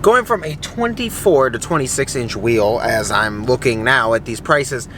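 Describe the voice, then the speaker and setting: Casual male vlogger over clear background noise. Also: mid-range voice, lively intonation, measured pace, fairly bright tone. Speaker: vlogger reviewing truck tires. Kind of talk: casual chat, off-the-cuff vlog.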